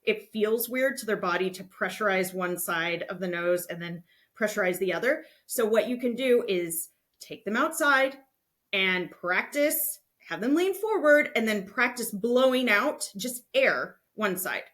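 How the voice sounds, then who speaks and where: A woman's voice: medium pitch, expressive, measured pace, fairly bright tone. A woman hosting a podcast, explaining things to parents in a conversational, instructive and reassuring way. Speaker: podcast host.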